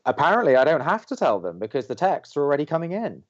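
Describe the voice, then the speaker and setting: A man playing a sarcastic, reluctant young college radio co-host with an American accent and a deadpan manner, in audio drama banter. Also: on the high side, fast, lo-fi sound. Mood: exasperated. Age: young adult.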